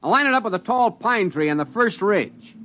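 A blunt, energetic outdoorsman who loves his mountains. His voice is high and very lively, rising and falling as he points things out. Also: brisk. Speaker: mountain climber. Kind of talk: 1950s radio drama acting.

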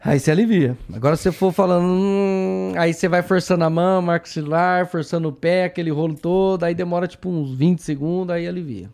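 A man telling stories as a guest on a casual podcast, joking and animated, laughing often. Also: high voice, fairly quick, vocal fry.

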